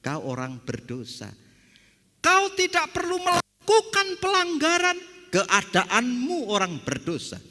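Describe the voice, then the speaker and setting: A man's voice: very high-pitched, huge pitch swings, slow, sharp tone, pitched above the performer's own voice, heavily acted. A man preacher voicing God as a stern, commanding male figure who asks blunt, challenging questions, heard with a long church reverb.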